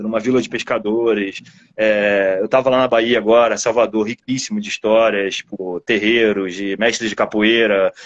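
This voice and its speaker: A man with a Brazilian Portuguese accent speaking casually as an interviewed author, telling personal experiences in a reflective, halting, rambling way. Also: lowish voice.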